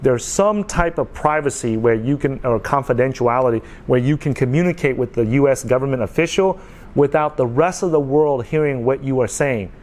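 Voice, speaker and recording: In a medium-pitched, darkish voice at normal speed, an American vlogger in his forties chats to camera. The talk is casual, earnest, and repetitive, with frequent "okay" check-ins.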